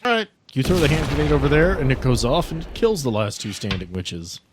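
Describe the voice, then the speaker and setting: A man's voice: medium pitch, animated, a little fast, background noise. A man running a tabletop game on a podcast, narrating the action and making rulings in a casual way. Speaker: game master of an actual-play podcast.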